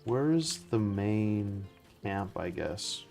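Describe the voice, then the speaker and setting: A man's voice: lowish voice, lively intonation, slow pace, vocal fry, darkish tone, soft background music. A man giving casual live game commentary as a streamer, rambling and friendly to viewers.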